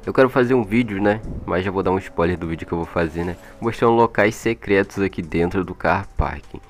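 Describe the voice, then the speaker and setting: A man's voice: deep voice, a little fast. A man with a Brazilian accent giving casual, slangy, chatty gameplay commentary into an old microphone. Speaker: gaming video creator. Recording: music behind, old microphone.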